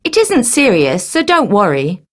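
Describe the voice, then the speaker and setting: A woman acting a calm school nurse in a scripted coursebook dialogue, speaking in a soothing, reassuring way. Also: medium pitch, unhurried.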